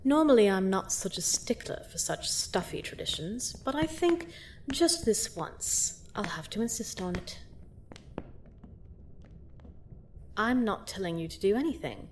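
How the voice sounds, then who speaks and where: A woman's voice: mid-range voice, expressive, moderate pace, a little hiss or hum, lightly acted, low-quality recording. A woman playing a seductive, gloating vampire queen in a fantasy audio drama, theatrical and mock-sweet as she menacingly toys with her captive. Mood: smug insistence. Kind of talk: scripted roleplay audio drama monologue.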